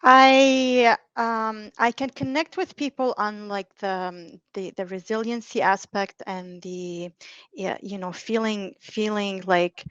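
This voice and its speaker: A woman's voice: medium pitch, steady tone, takes it slowly, a bit bright, clean tone, no echo. A middle-aged woman from Lebanon, a divorce mediator, talking as a guest on a podcast, hesitant with many restarts and fillers. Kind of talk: podcast interview. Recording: dull, dry, lo-fi sound.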